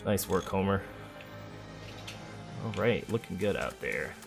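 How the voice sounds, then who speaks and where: Male let's play host, lower-pitched voice, casual and chatty, talking through moves over background music. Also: a little slow, vocal fry. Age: adult, parent of a school-age child. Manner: relaxed, chatty, thinking aloud. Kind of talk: casual gameplay commentary. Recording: game music behind the voice. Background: video game music.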